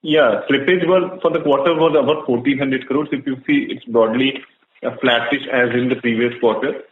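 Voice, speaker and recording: A man's voice: mid-range voice, fairly even intonation, moderate pace. A man reporting figures as a bank finance executive on an earnings call. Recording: echoey, noisy, phone-like conference room audio.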